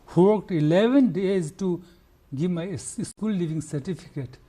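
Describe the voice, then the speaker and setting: This guest, an older man from Nepal who works in conservation, speaks with a Nepali accent and a high, warm voice. He replies to the interviewer earnestly but haltingly, often restarting and filling gaps.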